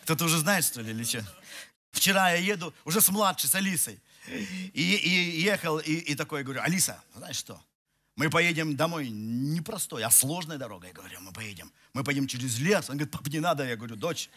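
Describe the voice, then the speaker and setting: A man's voice: on the high side, animated, brisk, pushed and bright, breathy edge. A man in his forties, a pastor, preaching to a church hall audience through a headset mic, telling a self-mocking story with many restarts. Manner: walks the stage, gesturing. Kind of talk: sermon with humorous personal story.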